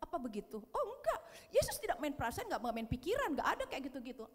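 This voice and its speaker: A woman pastor preaching at a youth service, animated, swinging between loud emphatic lines and hushed ones and acting out voices in the stories she tells. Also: high voice, quick pace. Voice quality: animated, acts out voices in quoted dialogue. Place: church hall. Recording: long reverb in a church hall.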